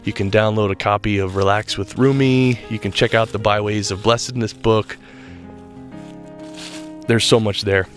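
A man's voice: fairly low pitch, fairly even intonation, normal speed, long pauses, faint music behind. A man hosting a spiritual podcast, talking earnestly and reflectively while walking outdoors, a little stuffed up and nasal. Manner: earnest, reflective, loose talk with restarts. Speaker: podcast host. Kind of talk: solo spiritual podcast monologue. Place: walking outdoors in a state park.

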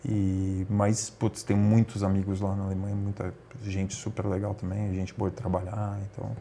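Paulistano man, low and raspy-edged, laid-back slangy chat host. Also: normal speed, slight background noise. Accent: São Paulo Brazilian Portuguese. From Brazil. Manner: relaxed, chatty, peppered with slang fillers. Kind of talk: casual conversation.

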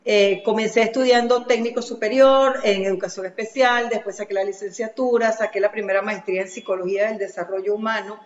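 A woman, a special education specialist, speaking as a guest in a lively, chatty way over a remote link. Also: mid-range voice. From Venezuela. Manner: lively, chatty, quick to agree. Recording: roomy, dull remote line.

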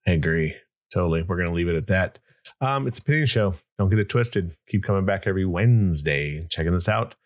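A man's voice: deep voice, animated, fast. A man hosting a podcast in casual chat, rambling with many restarts and fillers. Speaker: podcast host.

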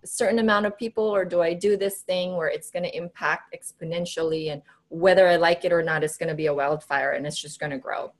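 Chatty Filipino-accented woman, lowish voice. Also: fairly even intonation, fast, few pauses. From Philippines. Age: middle-aged. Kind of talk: casual podcast chat.

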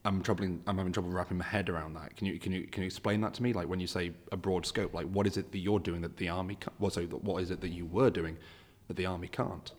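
A man's voice: low voice, steady tone, fast talker, big-room sound. A man hosting a casual interview podcast, chatty and rambling, with lots of restarts in his questions. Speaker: podcast host.

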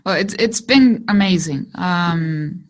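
A woman from Chile whose first language is Spanish, a digital marketer telling her story in a lively interview and laughing often. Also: on the low side, takes it slowly. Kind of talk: conversational interview.

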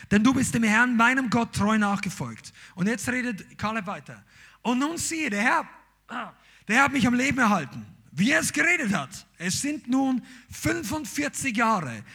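Male pastor, emphatic sermon delivery, lively swooping pitch, husky edge. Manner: emphatic, exclaiming preaching.

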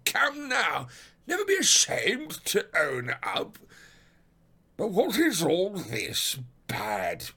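Portly police detective, storybook character, husky wheeze, pompous, blustering, slow drawn-out phrases, very animated pitch. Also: male voice, heavily acted. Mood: pompous, condescending. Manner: pompous, drawn-out emphatic delivery. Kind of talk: audiobook character acting.

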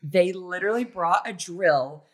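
A woman hosting an interview podcast, chatty and quick to jump in with short affirmations. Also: on the low side, lively intonation. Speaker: podcast host. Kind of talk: casual interview chat.

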